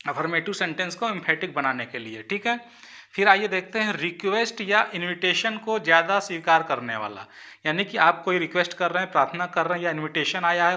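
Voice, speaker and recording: A man's voice: on the high side, sharp tone. A man teaching an exam-prep grammar lesson, explaining step by step, repeating points and often checking in with "okay". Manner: mixes English terms into Hindi explanations.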